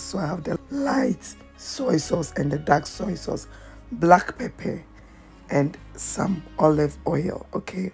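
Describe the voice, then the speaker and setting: A woman hosting a cooking video, chatty and hoarse from a flu, often checking in with "okay?". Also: low voice, dark tone. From Ghana. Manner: chatty, repeats phrases, asks "okay?" often. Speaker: cooking channel host. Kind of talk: casual cooking tutorial.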